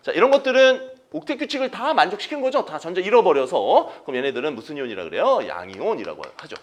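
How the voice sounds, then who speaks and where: Lively male chemistry lecturer, quizzing. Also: on the high side, fast. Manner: quizzes students with questions and answers them himself; repeats key terms. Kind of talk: exam-prep lecture.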